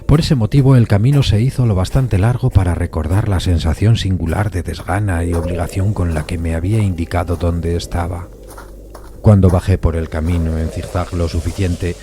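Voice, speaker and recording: A man giving a measured, literary dramatic narration of a classic suspense story. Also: deep voice, background noise. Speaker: narrator of an audio fiction adaptation.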